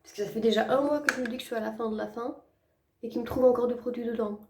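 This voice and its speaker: A woman's voice: fairly high pitch, fairly even intonation, rapid-fire, background noise. A woman in her twenties chatting casually to her viewers, her voice stuffy and worn from a head cold, rambling with lots of fillers. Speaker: vlogger.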